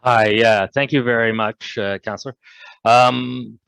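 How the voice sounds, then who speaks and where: A man's voice: medium pitch, fairly even intonation, a little slow, gravelly, a bit bright, clean tone, no room sound. A man with a Canadian accent, hesitantly introducing himself as a submitter at a public forum. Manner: hesitant, filler-heavy opening.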